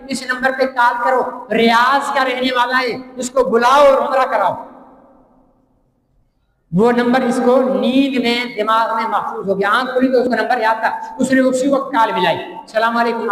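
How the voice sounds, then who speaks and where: A man's voice: very high voice, fairly bright tone. A man with a Pakistani accent preaching a sermon, telling a story and asking the crowd rhetorical questions. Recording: echoey hall with long reverb.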